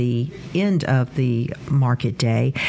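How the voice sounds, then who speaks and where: A woman's pitch shifts in an ordinary way as noticeable background noise sounds behind her. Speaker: financial analyst. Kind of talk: radio call-in show. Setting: studio.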